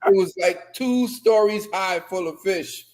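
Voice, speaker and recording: A man's voice: high-pitched, a little slow, background noise. An older man who grew up in Trinidad, telling stories and lecturing with conviction on a casual video call. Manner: emphatic storyteller, lectures with conviction. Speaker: co-host. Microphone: webcam on video call.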